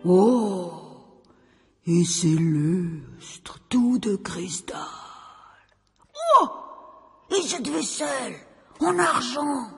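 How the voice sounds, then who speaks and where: A woman's voice: medium pitch, expressive, extremely slow, creaky, long pauses, slightly rough, in a large hall, faint music behind, heavily acted. A woman voicing a timid, kindly old fisherman in an audio storybook, with a pleading, wondering way of talking. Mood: awestruck. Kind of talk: storybook acting.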